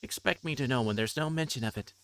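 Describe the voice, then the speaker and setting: A man's voice: mid-range voice, fast talker, lightly acted. A man voicing a pushy, gushing woman customer who talks in a chatty, familiar way, in a visual novel. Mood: indignant.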